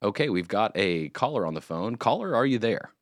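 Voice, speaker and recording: A male morning radio host with a lowish voice that swings widely up and down as he jokes and rambles. The studio sound is close and dry, with no room around it. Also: brisk, no room sound. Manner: animated, jokey, rambling. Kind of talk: casual morning radio banter. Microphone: studio microphone.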